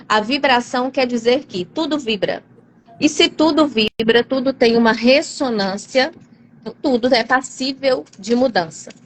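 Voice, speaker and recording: A woman's voice: on the high side, unhurried. A woman with a Brazilian accent talking animatedly in a live-stream conversation, acting out quoted voices as she explains. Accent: Brazilian Portuguese. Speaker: guest speaker. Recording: faint background noise.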